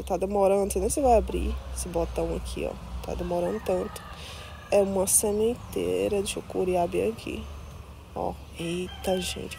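A woman's voice: mid-range voice, creaky, mellow, slight background noise. A woman touring her garden on her phone, chatty and doting as she coos over her plants. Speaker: plant vlogger. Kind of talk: casual garden tour. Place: outdoor garden. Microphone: phone held while filming.

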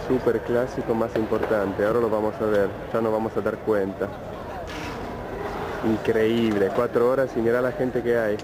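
Man street reporter, shouting over loud outdoor noise. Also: on the low side, normal speed. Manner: loud and excited. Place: outside a stadium.

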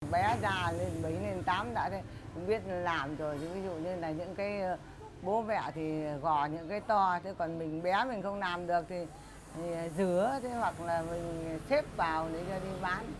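An elderly woman with a Bac Ninh countryside accent, telling stories of her craft family in a plain, unhurried interview manner. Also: on the low side. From Dai Bai village, Bac Ninh, northern Vietnam. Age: older. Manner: plain storytelling, recites an old saying. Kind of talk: casual interview. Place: her home on a busy shopping street. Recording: noisy street background.

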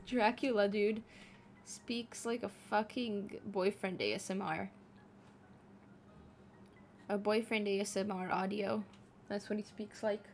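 A woman's voice: medium pitch, fairly even intonation, takes it slowly, pauses often, slight background noise. A woman streaming live as a VTuber, chatting casually with her chat while playing a game, giggling often and swearing freely.

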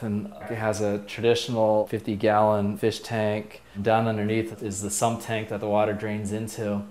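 A man's voice: lowish voice, a little mellow. A man in his thirties casually explaining his homemade aquaponics setup in a greenhouse and at home, speaking plainly with fillers and restarts.

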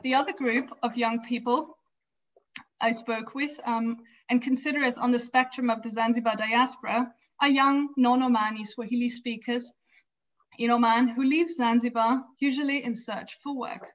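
A woman giving an academic lecture from a home office over a video call, reading prepared text in a measured way with small restarts. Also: a little high, steady tone. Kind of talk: academic lecture read from slides. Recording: slightly dull lo-fi video call audio.

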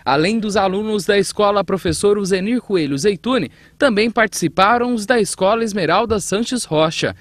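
A reporter narrating a news feature voice-over in a steady manner. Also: female voice, medium pitch, moderate pace, hardly any pauses. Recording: reverberant voice-over.

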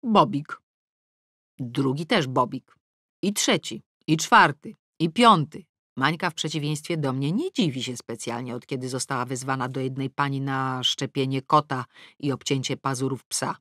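A woman's voice: a bass voice, normal speed, no echo, clean studio sound. Wry woman narrating an audiobook. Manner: wry, lively storytelling with comic timing. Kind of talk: first-person audiobook narration. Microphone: close studio mic.

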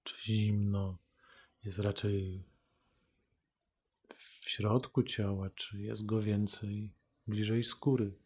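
A man leading a guided meditation as a teacher, calm and unhurried, speaking in measured phrases with long pauses. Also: on the low side, slightly rough.

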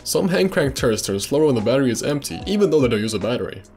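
A man's voice: mid-range voice, big pitch swings, rapid-fire, music in the background. A man reading scripted narration for a video game trivia video.

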